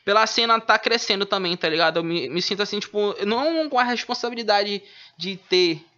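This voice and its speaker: A man's voice: high voice, fairly quick, pushed and bright. Slangy man. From Manaus, Brazil. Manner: slangy, laid-back street talk. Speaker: rapper guest. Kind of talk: casual interview chat. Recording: dull lo-fi audio.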